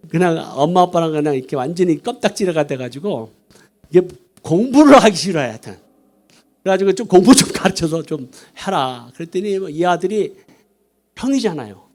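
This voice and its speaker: High-voiced Korean pastor preaching. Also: male voice. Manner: storytelling with animated quoted dialogue. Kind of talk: sermon.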